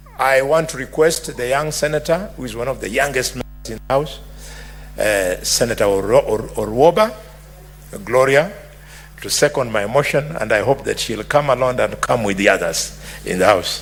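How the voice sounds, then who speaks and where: Over noticeable background noise, a man talks at a moderate pace, his loudness swinging widely. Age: 60s. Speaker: senator. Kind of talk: parliamentary debate. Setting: parliament chamber.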